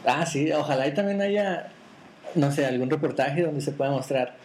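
A man hosts a casual podcast, often pausing and restarting as he hunts for the right word. His voice sits slightly high, with a faint hiss in the background. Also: a little mellow. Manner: hesitant, searching for words, wraps up segments. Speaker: podcast host. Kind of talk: casual chat.

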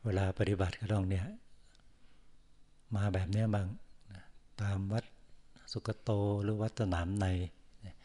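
A man's low, mellow voice delivers a dharma talk at a forest monastery. He keeps an even, level tone throughout. He speaks in slow, measured phrases with many pauses. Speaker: Buddhist monk giving a dharma talk. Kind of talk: sermon.

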